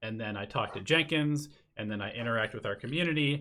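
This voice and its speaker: A man's moderately paced delivery in an unremarkable speaking voice, pitch varying in an ordinary way. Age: 20s. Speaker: dota coach. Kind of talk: coaching session.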